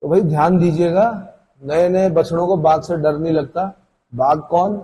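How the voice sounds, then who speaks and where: A husky male teacher with a fairly high, mellow voice, lecturing an exam-prep class. He talks casually, throws questions at the students and answers them himself, and reads the figures out with a lilt. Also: steady tone, normal speed, poor audio.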